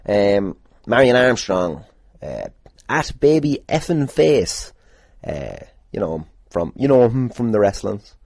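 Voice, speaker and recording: A man's voice: on the low side, big pitch swings, slow pace, gravelly, a little mellow, no echo, studio quality. An Irish man hosting a casual solo podcast, answering listener questions in a rambling, jokey way with plenty of swearing. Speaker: podcast host, pro wrestler.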